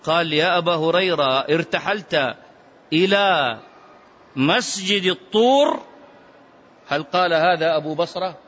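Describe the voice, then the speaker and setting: A religious teacher gives a mosque lesson explaining hadith, speaking emphatically, chanting some phrases and using rhetorical questions. His voice is on the high side and a bit bright, a little slow, with frequent pauses. The recording is muffled and lo-fi.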